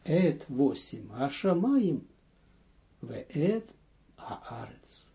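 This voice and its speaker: Slow, deliberate man teaching, lo-fi audio. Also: fairly high pitch, big pitch swings, gravelly, warm tone. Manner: slow, deliberate, dictating with pauses; reads phrases aloud, then translates and repeats them. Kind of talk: line-by-line text lesson. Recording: dull lo-fi audio recording.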